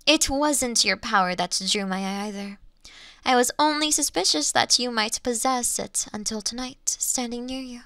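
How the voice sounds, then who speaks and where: A woman playing an ancient, elegant monster in a Victorian fantasy audio drama, teasing her hunter in archaic, formal phrases with lingering pauses. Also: fairly high pitch, pushed and bright, clean tone, no echo. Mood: musing. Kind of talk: slow theatrical roleplay monologue in Victorian fantasy audio drama.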